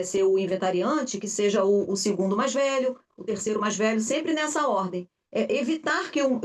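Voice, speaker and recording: Woman, facilitator, informal teaching talk, animated, fillers, distant mic. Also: fairly high pitch. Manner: animated, acts out clients' voices, many fillers. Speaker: family constellation facilitator.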